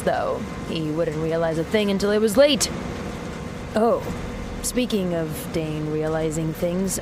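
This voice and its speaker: A woman playing a brash genius mechanic, unhurried, noisy surroundings. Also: on the low side, close to an everyday voice. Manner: wry, self-interviewing, casually sweary. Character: brash, self-assured young genius woman mechanic building a rocket. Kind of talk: audio drama monologue as spoken recording.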